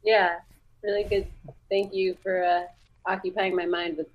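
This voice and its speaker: A woman's voice: mid-range voice, flat delivery, moderate pace. A woman caller chatting casually over a lo-fi call. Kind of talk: casual chat. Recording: dull lo-fi call audio.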